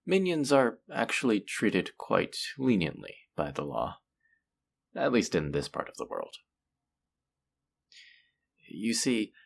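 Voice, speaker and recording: Audio roleplay villain , male actor: courteous, polished supervillain, creaky voice, highly animated intonation, measured and theatrical. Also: heavily acted. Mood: reassuring, amiable. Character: suave, pleasant male supervillain interviewing a minion recruit. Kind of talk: scripted roleplay audio drama, conversational monologue.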